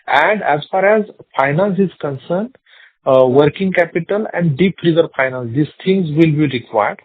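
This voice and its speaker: A man with an Indian accent speaking as a company executive, answering investor questions in a halting, repetitive way over a phone conference call. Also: on the high side, animated, breathy edge, no room sound. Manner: halting, repeats words and phrases. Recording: narrow, tinny phone-line sound.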